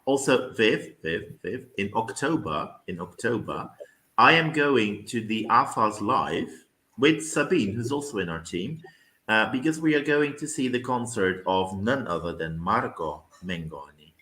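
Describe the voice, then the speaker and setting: A man's voice: lowish voice, animated, unhurried, pushed and bright, roomy sound. A man from the Netherlands with a Dutch accent, co-hosting a livestream over a video call, upbeat and talking straight to viewers. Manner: upbeat, rambling, addresses viewers directly. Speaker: co-host of a livestream. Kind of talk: casual livestream chat.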